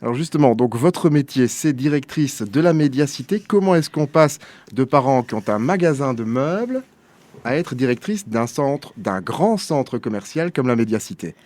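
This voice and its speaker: A man's voice: mid-range voice, lively intonation, normal speed, darkish tone, no room sound. A man hosting a radio interview, reading neat scripted questions and introductions. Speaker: radio host.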